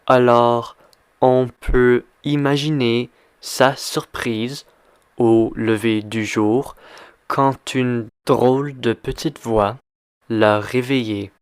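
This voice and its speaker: Male language teacher, extremely slow and deliberate, smooth resonant voice, dry close sound, drills questions. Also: medium pitch, steady tone, dry recording. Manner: deliberate, repeats and quizzes the listener. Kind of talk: slow question-and-answer reading lesson.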